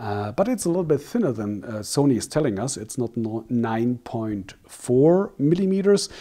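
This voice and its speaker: A man with a non-native accent, dark, mellow tone and very wide pitch swings. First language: not English. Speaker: tech reviewer. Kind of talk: product review. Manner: halting, many fillers.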